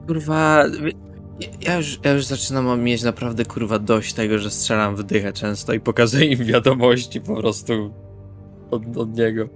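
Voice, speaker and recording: A man improvises his part in a tabletop role-playing session. His voice sits at an average pitch and his phrasing is blunt, peppered with swearing. Music plays underneath. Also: moderate pace. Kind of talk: improvised in-character play with narrated actions, sweary. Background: background music.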